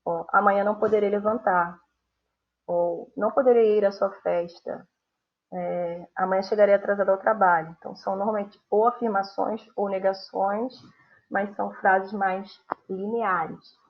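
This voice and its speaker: A young woman with a Brazilian Portuguese accent gives a grammar lesson, her voice slightly husky. She explains steadily and acts out example sentences with lively intonation. The recording sounds dull and lo-fi. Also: medium pitch, normal speed. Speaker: teacher.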